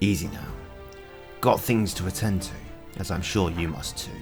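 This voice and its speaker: A gruff, put-on character voice talks at a moderate pace. Clear music plays in the background. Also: man. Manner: weary, curt.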